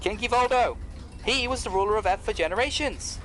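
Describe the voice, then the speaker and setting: Man playing a high-voiced polite mechanical man. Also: fairly quick, a bit bright, a little hiss or hum. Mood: matter-of-fact. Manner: formal, explanatory. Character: polite mechanical clockwork man, loyal and strong. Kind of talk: scripted audio drama acting.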